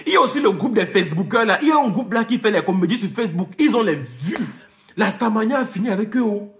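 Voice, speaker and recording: A man's voice: high voice, expressive, fast talker. A man ranting and teasing his viewers in a comic vlog, repeating names, slipping into English and laughing as he talks. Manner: laughs while talking. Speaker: vlogger. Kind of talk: comic rant to camera.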